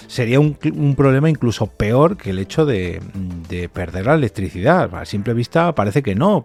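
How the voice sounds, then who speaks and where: A man's voice: mid-range voice, darkish tone. Spanish podcast host, man, music underneath. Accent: Spanish from Spain. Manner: informal, explanatory, addresses listeners directly. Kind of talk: conversational solo podcast monologue.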